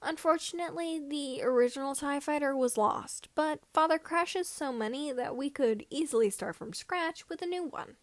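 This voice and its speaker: An earnest young space pilot read by a woman, cheeky and a little bewildered. The voice is fairly high and closely recorded with little room sound, in audiobook style. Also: moderate pace, few pauses, no echo, close to an everyday voice. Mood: chirpy.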